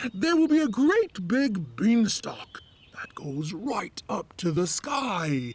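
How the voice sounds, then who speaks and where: A cartoonish character voice talks at a fairly high pitch and a very slow pace. The pitch swings very wide. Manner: warm, confiding.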